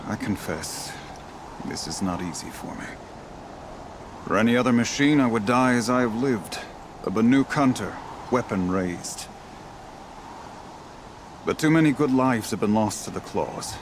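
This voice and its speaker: An actor playing a weary, proud old tribal hunter in a video game, speaking in a solemn, measured, poetic way. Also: male voice, mid-range voice, lively intonation, noisy background, lightly acted. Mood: solemn, resolute. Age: older. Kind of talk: dramatic video game dialogue.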